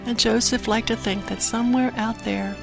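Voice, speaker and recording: A woman telling a dramatic Christmas story for children, with simple, expressive phrasing and emphatic pauses. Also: a little high, vocal fry. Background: music under the narration.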